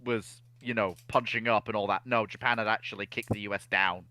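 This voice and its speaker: A man with a slightly low but bright, forceful voice chats as a panelist. He is blunt and clipped, making his points in short statements. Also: fairly even intonation, a little fast, no room sound. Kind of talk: casual chat.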